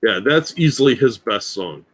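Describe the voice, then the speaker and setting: A man co-hosting a casual livestream chat, blunt and crude in his put-downs and quick to agree. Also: mid-range voice, expressive, fairly bright tone, husky. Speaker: podcast co-host.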